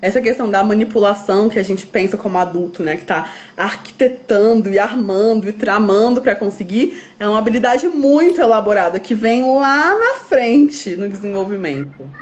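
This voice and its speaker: A woman's voice: medium pitch, lively intonation, normal speed, few pauses, a little mellow, lo-fi sound. A Brazilian woman, a guest specialist, explaining step by step and acting out what parents and children say. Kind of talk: explanatory interview talk.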